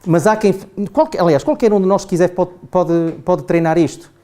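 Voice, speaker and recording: Mellow-voiced Portuguese man lecturing. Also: high voice, moderate pace. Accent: European Portuguese. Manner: chatty, keeps asking "não é?". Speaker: trainer. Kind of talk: classroom lecture.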